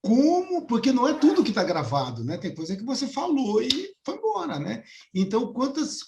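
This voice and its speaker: A man's voice: very high voice, huge pitch swings, normal speed, vocal fry, reverberant, noisy background. A man in a casual study group discussion, talking hesitantly with many restarts and tag questions.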